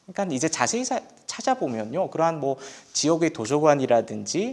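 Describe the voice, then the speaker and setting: Here a man speaks at medium pitch. His voice swings very widely up and down. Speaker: lecturer, young migrant. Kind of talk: Q&A interview. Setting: online video stream.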